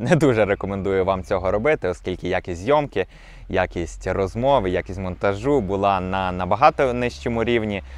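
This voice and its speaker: Delivered at a moderate pace, the voice has a dry sound with no echo. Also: man. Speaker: trail runner vlogger. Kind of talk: casual vlog chat. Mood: cheerful, upbeat. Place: street. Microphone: lapel.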